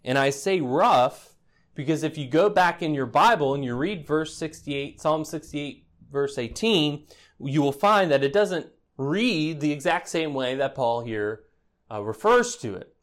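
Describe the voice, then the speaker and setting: His voice is on the high side, with lively intonation and a measured pace, as this pastor works through an expository sermon in a conversational teaching manner. He keeps asking the congregation rhetorical "right?" questions, lightly teasing them with dry humor.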